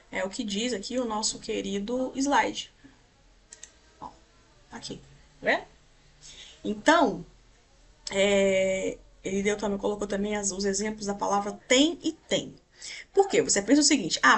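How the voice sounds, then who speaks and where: A Brazilian woman teaching a grammar class, with a husky, breathy edge to her voice. She explains step by step and points things out on the slides. She keeps checking that the class is following along. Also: mid-range voice. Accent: Brazilian Portuguese.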